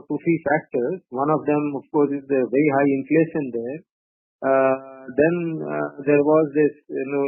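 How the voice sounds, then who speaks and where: A man's voice: on the high side, no echo. Man on a tinny phone line. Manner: measured, frequent fillers like "uh" and "you know". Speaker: company executive presenting results. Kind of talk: earnings call presentation.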